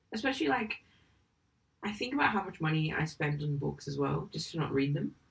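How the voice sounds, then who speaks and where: A woman speaks fairly quickly with lively intonation and vocal fry. Her pitch is very deep and low. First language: Hindi. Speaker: podcast co-host. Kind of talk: casual chat.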